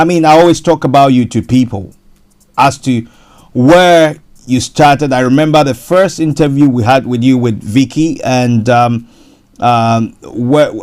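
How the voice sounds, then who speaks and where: A man hosting a radio property show, interviewing a guest in a halting way, often repeating words. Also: mid-range voice, a little mellow. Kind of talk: casual interview.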